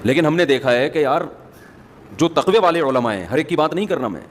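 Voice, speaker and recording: A man's voice: on the high side, expressive, slight background noise. A man giving a sermon, talking to the audience in a conversational way with joking asides. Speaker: Islamic preacher. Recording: long hall reverb, faint ambience.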